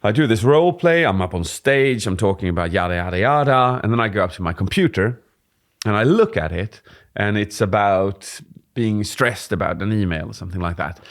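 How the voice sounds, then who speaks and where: Speaking casually on a podcast, a deep-voiced presentation coach with gravelly texture shares a tip, steady and unhurried in explanation and stretching certain words, though animated and a little fast. He's on a boom-arm studio mic in a dimly lit studio with warm lamps.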